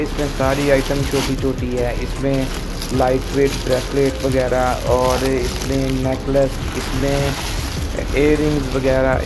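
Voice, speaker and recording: A man giving a plain, repetitive sales pitch for jewelry, filmed on a handheld phone in a warehouse. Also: very noisy. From Pakistan. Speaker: jewelry wholesaler. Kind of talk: product showcase. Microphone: handheld phone camera.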